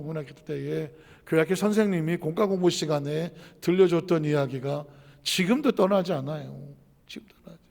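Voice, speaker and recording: Middle-aged male Korean pastor, storytelling sermon, raised gravelly voice, reverberant hall. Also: fairly high pitch, darkish tone. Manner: storytelling, asks the congregation questions.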